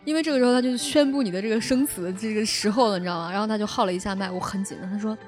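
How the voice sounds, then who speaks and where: Brief: young woman from Shaanxi, quick animated storyteller, light music under the talk. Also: mid-range voice. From Shaanxi, China. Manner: animated, laughs often, frequent tag questions. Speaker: podcast host. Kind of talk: casual storytelling chat.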